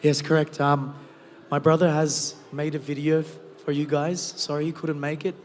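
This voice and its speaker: Hoarse man speaking on stage. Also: a little high, flat delivery, slight background noise. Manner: halting, many fillers. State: hoarse, lost his voice. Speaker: guest speaker. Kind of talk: stage speech. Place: large event hall. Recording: long hall reverb.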